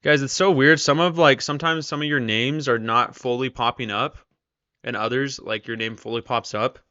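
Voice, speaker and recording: This man, a trader hosting a relaxed live stream, is losing his voice, and it sounds strained and weary. His mid-range delivery is steady, normal in speed, bright and forceful, while he chats and reads out comments from viewers. The audio is dry and muffled.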